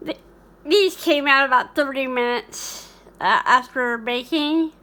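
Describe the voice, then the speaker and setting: A woman's voice: sits high, measured pace, pushed and bright. A woman hosting a home cooking vlog, chatting casually with many fillers and restarts. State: hiccuping. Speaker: cooking channel host.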